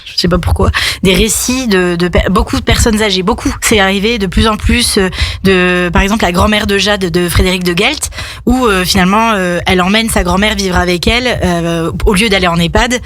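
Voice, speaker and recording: A woman's voice: mid-range voice, a little fast, a bit bright, dry recording, soft background music. A woman speaking as a radio guest, telling personal stories in a casual, conversational way. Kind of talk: animated personal storytelling, casual chat.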